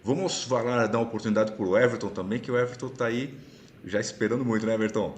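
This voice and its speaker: A man's voice: mid-range voice, quick pace, slight background noise. A man hosting a casual live-stream chat on a video call, explaining things at length and often checking in with his listeners. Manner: explanatory, often ending sentences with "né?". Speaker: host and course instructor.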